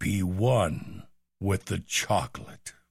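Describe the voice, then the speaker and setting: Using a put-on character voice, a man speaks in a dramatic tone at a fairly low pitch. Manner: dramatic, deep, portentous.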